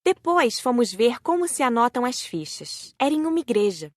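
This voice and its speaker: A Brazilian woman reading scripted audiobook narration in a measured storytelling manner. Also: a little high, very animated, dry recording, studio quality.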